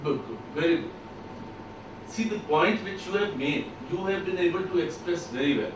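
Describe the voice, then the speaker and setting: A man, giving firm, opinionated views in a group discussion, speaking with pauses and emphasis. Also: fairly high pitch, animated, noisy background. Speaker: panel discussant. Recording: echoey room, distant mic, faint background.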